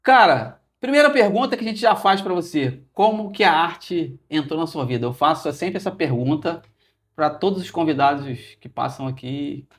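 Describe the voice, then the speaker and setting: A man's voice: fairly high pitch, lively intonation, normal speed. A man with a Rio de Janeiro area Brazilian accent hosting a podcast interview, joking and playful as he chats with his guest. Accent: Brazilian Portuguese, Rio de Janeiro area. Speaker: podcast host. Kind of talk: casual interview chat.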